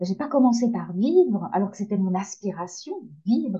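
A woman, somewhat breathy, with a dark, mellow tone, lively intonation and a very slow pace. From France. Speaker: LGBT leader and spirituality coach. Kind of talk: interview.

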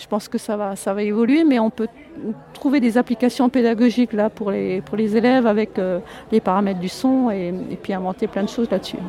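A woman with a fairly high pitch speaks fairly quickly as noticeable background noise continues around her. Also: ordinary pitch variation. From Doubs, eastern France. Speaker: music teacher. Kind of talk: interview. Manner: halting.

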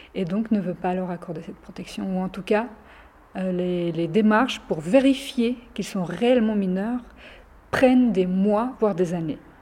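A woman speaks fairly slowly in a dark, mellow, somewhat breathy tone. Her pitch is medium, with ordinary pitch variation. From France, Romanian Roma family, arrived from Romania at 8. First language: Romani (speaking French). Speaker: lawyer and activist. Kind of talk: testimony. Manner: hesitant, many fillers.

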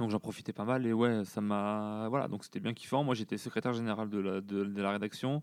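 A man with a fairly low pitch and fairly even intonation talks at a fairly quick pace. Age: 30s. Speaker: office manager. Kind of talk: casual interview. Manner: hesitant.

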